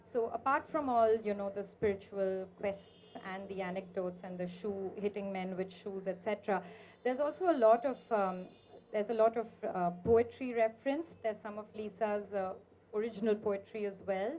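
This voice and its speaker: A woman moderating a book launch, retelling the author's story in a brisk way with fillers. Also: mid-range voice, fairly even intonation, darkish tone, a little hiss or hum. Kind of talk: summarizing the book for an audience.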